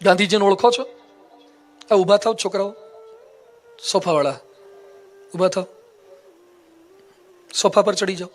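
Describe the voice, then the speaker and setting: A monk giving a religious discourse to a live audience, playful and teasing, quizzing the children. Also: male voice, sits high, steady tone, a little slow, long pauses, faint music behind. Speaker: monk preacher. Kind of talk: humorous Gujarati religious discourse. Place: assembly hall with a live audience.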